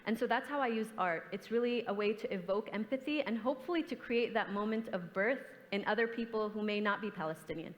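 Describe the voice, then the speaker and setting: A woman's voice: mid-range voice, fast, hardly any pauses. A young woman artist speaks at a forum panel, earnest and impassioned. Her voice sits in a middle register and rings with a long reverb from a big conference hall. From grew up in the US and Canada. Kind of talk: panel discussion answer. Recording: hall reverb, stage mic.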